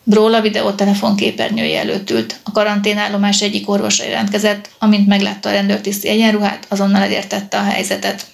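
A woman reading a novel aloud as an audiobook narrator, in an even storytelling manner. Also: mid-range voice, creaky, few pauses.

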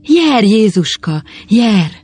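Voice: medium pitch, completely flat delivery, husky, close to an everyday voice. A narrator voicing a half-frozen mercenary soldier who speaks faintly and tremblingly. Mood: dreamy sighing. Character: freezing mercenary soldier, man, weak and dreamy.

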